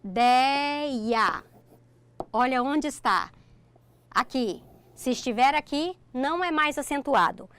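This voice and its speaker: There's slight background noise as a middle-aged Brazilian woman, her accent Brazilian Portuguese, teaches grammar in a recorded online lesson. Her voice is high, expressive and a bit bright, and she takes an unhurried pace, explaining step by step and asking "ok?" again and again.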